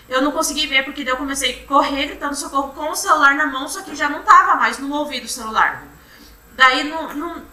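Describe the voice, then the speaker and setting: A young woman giving courtroom testimony, retelling events in a halting, repetitive way. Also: high voice, pushed and bright. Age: young adult. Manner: halting, repetitive retelling, often restarting with "then". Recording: roomy courtroom from far off, faint hum.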